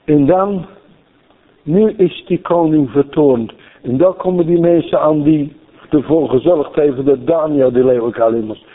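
A man with a high voice preaches a storytelling sermon. He is animated and keeps repeating phrases for emphasis. The broadcast sounds thin and narrow, like a telephone line. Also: measured pace. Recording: thin phone-like radio broadcast.

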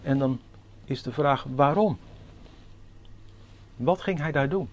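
A man's voice: on the high side, slow. Man, preacher, earnest sermon, direct questions to congregation, scripture reading. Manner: reads scripture in old-fashioned formal Dutch.

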